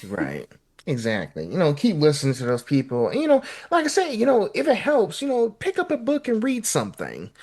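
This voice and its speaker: A man's voice: sits high, huge pitch swings, a little fast, a little mellow. Rambling young male interview host. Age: 20s. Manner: rambling, encouraging, with many fillers. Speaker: podcast host and independent journalist. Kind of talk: casual interview chat.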